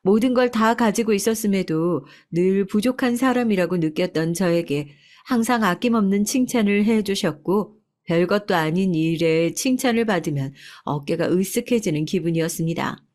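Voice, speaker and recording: A woman narrating a first-person life story in a soft, confiding way. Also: medium pitch, normal speed.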